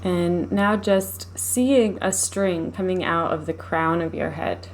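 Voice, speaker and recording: A woman leading a live guided meditation in a soothing, unhurried, gently instructive manner. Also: lowish voice, fairly even intonation, a little hiss or hum, poor audio.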